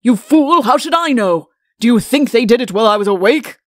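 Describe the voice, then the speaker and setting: Storybook monarch, read by a woman: grandiose, imperious and quick-tempered, with a gravelly creak. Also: medium pitch, lively intonation, no room sound, clean studio sound. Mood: stern, exasperated. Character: pompous, bellowing, short-tempered king of storybook realm.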